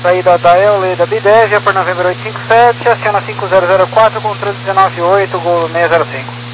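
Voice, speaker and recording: A Brazilian man, an airline pilot, reading back clearances in clipped phrases over crackly aviation radio. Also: sits high, steady tone, a little fast. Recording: noisy crackly cockpit radio.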